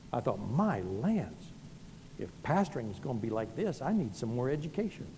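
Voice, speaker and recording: With a Southern US accent, a man speaks at a moderate pace in a medium pitch, his dark, mellow tone showing vocal fry and very wide pitch swings, with audible room echo around him. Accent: Southern US, still audible. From US South. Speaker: pastor. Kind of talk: sermon.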